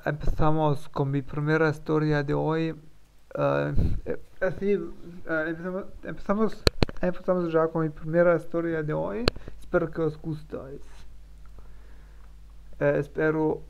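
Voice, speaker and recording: A man's voice: fairly high pitch, creaky, clean tone, highs cut off. A man who is learning Spanish, stumbling through his daily practice stream with many fillers, restarts and self-corrections. Spanish is not his first language. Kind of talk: halting live-stream practice talk.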